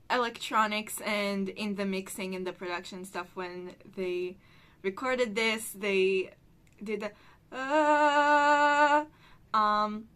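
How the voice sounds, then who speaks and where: In a casual reaction, a woman breaks down a song's vocal technique the way a voice teacher would, using plenty of fillers while the track plays faintly. Her medium-pitched voice sounds pushed and bright.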